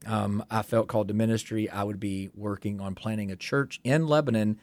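A man's voice: fairly low pitch, steady tone, a little fast, a little mellow, dry recording. A man, a pastor from Tennessee, candidly telling his story as a podcast guest. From Tennessee, USA.

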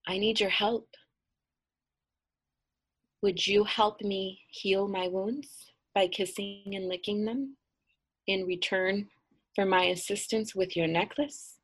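A sly, wounded old grandmother from a spoken folk tale, coaxing and soft, as a woman puts her on. The voice is slow and slightly husky, almost hushed at times. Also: medium pitch, fairly even intonation, poor audio. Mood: pleading.

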